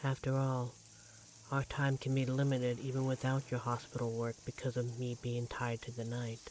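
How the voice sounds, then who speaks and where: A man playing an affectionate, devoted vampire partner in a roleplay audio drama, speaking in a tender, gently teasing, conversational way. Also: medium pitch, monotone, moderate pace, natural voice. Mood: tender, reassuring. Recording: clearly audible background noise, sizzling kitchen effects.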